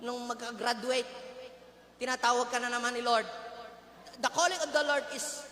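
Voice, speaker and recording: A man's voice: extremely high pitch, fairly even intonation, normal speed, sharp tone, a little hiss or hum. A man preaching a rousing sermon to a congregation in a church hall, urging them to speak to their neighbours. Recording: echoey hall.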